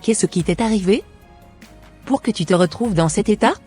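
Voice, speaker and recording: A woman's voice: medium pitch, moderate pace, warm tone, slightly rough, faint music behind, close to an everyday voice. A woman playing a devout, troubled wife in a Christian cartoon. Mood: guarded. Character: devout, troubled wife praying for her marriage. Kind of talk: dubbed Christian cartoon dialogue, declarative.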